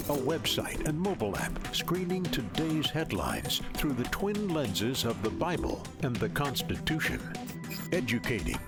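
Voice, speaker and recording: A man voicing a network promo, slow and dramatic with swooping emphasis. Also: mid-range voice. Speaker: announcer. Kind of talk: promo voice-over. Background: music bed.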